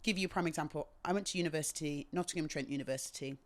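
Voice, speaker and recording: Woman, British English accent, fairly low voice, articulate, expressive, guest in a casual talk. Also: racing. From England. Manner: articulate, expressive, animated storytelling. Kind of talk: casual conversation.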